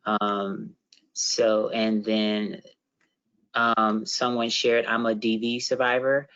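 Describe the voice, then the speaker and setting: A man co-facilitating an online workshop, reading out participant comments in a steady way with many fillers. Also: lowish voice, slow, smooth, lo-fi sound.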